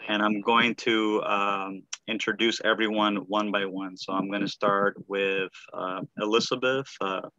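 Man, podcast host, halting with fillers, bright voice, dry dull call audio. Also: lowish voice, fairly even intonation, no room sound. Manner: halting, many fillers and restarts. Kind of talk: casual online group call.

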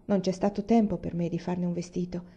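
A woman voicing a smiling widowed noblewoman who speaks in a gentle, caressing, persuasive way. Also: lowish voice, little pitch movement, a little fast, slightly rough, muffled recording. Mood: coaxing.

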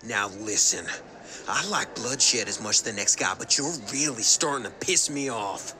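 A man's voice: mid-range voice, animated, normal speed, natural voice. A man voicing a menacing, bloodthirsty villain who threatens coldly in an animation demo. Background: music.

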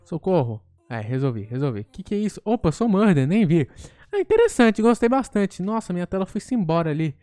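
A man with a Brazilian accent provides live gameplay commentary as a gaming YouTuber, excitable and quick to blurt out interjections. His voice sits high, and there is no room sound.

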